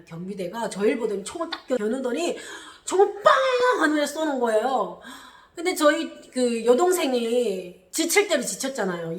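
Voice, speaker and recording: A young woman from North Korea, a YouTuber, telling the story of her defection in an animated way, acting out shouts and cries and laughing as she goes. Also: a little high, echoey room.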